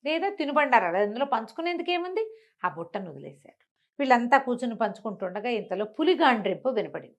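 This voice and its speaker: A woman telling a story in an animated, conversational way, as an informal oral storyteller. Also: a little high, fast. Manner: conversational, acts out characters' dialogue.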